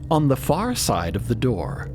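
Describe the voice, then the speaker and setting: A man co-narrating a story podcast in an atmospheric, theatrical, drawn-out style. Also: medium pitch, wildly swooping pitch, a little hiss or hum. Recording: loud music behind the voice.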